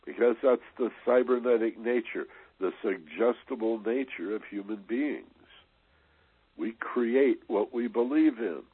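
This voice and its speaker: A man's voice: medium pitch, a little slow, breathy edge, dry recording. A man hosting a motivational radio talk, chatting conversationally and often dropping in "you know" and "right?". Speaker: radio host. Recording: tinny, dry, band-limited radio sound.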